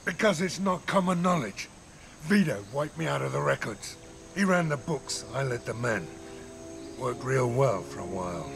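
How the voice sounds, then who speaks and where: An actor playing a bitter, ruthless older male mercenary in a video game, gruff and profane with a gravelly voice. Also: medium pitch, lively intonation, normal speed, a bit bright. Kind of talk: cinematic video game acting. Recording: dramatic music behind the voice.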